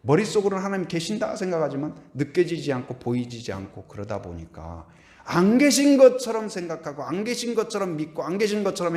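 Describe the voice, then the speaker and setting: A middle-aged male pastor preaches in a roomy, echoing church, his voice sitting a little high for a man. He swings his pitch widely, climbing through repeated declarations and slipping into playful acted-out exchanges. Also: a little mellow. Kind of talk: sermon. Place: church sanctuary. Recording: echoey church room.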